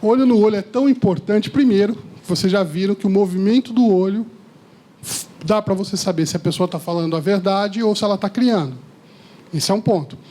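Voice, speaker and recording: A man giving a lively seminar talk to a live audience, often asking the listeners questions. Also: sits high, brisk. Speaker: speaker at a seminar. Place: lecture hall with audience.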